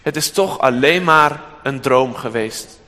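A man voicing a kind, hopeful old male shoemaker in a storybook reading, soft-spoken and gentle. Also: medium pitch, lively intonation, unhurried, big-room sound. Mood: sad, quiet.

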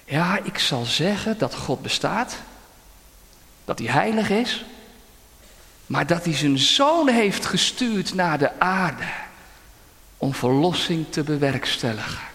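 A sly little demon minion, high and eager, rushing to boast of his plan, as a preacher acts him out. The voice rings in a long hall reverb. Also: big pitch swings, fairly bright tone, full character voice.

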